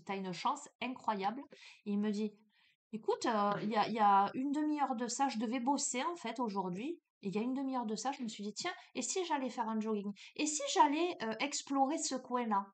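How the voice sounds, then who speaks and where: A middle-aged woman hosting a spiritual guidance channel, telling a personal story in a chatty, animated way with many fillers, speaking straight to the listener. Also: on the high side.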